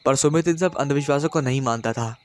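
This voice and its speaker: A man telling a horror story in steady, dramatic scripted narration. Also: medium pitch, fast talker.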